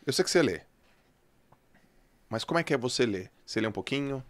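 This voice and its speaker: A man's voice: medium pitch, expressive, brisk. A middle-aged man hosting a casual podcast chat, laid-back and slangy, telling stories with animation. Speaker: host.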